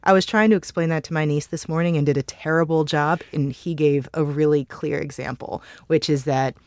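A woman's voice: low-pitched, fairly even intonation, brisk, darkish tone, dry recording. A woman co-hosting a podcast in casual chat, laughing often. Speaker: co-host.

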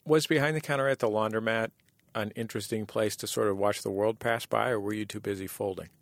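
A man hosting a radio interview show, asking calm, curious questions. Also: on the low side, fast, gravelly, no echo. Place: radio studio.

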